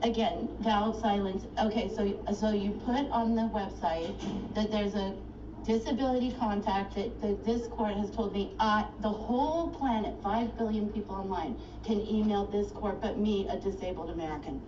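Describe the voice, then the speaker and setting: Brief: indignant woman self-filer ranting at a clerk's counter, recorded on a phone from a distance, echoey and muffled with loud background noise. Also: medium pitch. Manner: agitated, indignant, rapid-fire complaining. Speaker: self-represented litigant filing a case. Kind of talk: filmed argument at a court clerk counter. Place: courthouse clerk's counter indoors.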